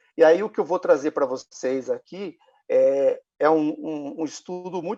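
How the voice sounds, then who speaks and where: Recorded dry and close with no echo, a man with a rural São Paulo accent speaks at a fairly high pitch in a dark, mellow tone. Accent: São Paulo countryside (caipira). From interior of São Paulo state, Brazil. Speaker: education researcher. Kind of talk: academic presentation. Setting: video call. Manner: halting, many repetitions and fillers. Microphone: phone camera, recording from phone.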